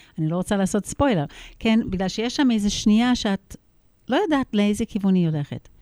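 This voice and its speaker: Dry and close with no echo, a woman's dark, mellow voice moves at a fairly quick pace on a very clean recording with a silent background. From United States. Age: 60s. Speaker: singer. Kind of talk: interview.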